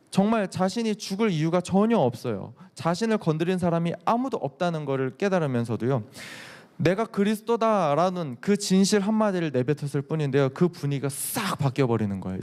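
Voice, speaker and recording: A man preaching a sermon as youth pastor, telling the story in an animated way and acting out the quotes. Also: fairly high pitch. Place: church sanctuary. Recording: reverberant church hall.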